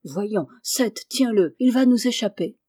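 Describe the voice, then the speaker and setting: Storybook gentleman, sly and soothing, read by a woman, warm low tone. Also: lively intonation, unhurried, dry recording, clean studio sound. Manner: soothing, reassuring. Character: calm, scheming gentleman soothing a friend.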